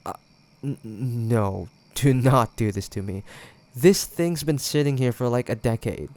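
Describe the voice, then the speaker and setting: A man acting a playful, teasing young ex-boyfriend in an intimate roleplay audio drama, talking casually with hesitant pauses and a creaky edge. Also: medium pitch, a little mellow, natural voice. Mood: reluctant, joking.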